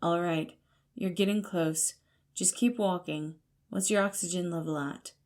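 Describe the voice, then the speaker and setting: A woman voicing a calm, practical guide giving directions in an audio story, measured and reassuring. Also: on the low side, close to an everyday voice.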